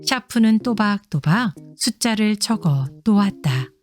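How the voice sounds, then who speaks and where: A woman's voice: medium pitch, animated, unhurried. A woman narrating a scripted children's story, reading aloud expressively as if to young children. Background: soft instrumental music.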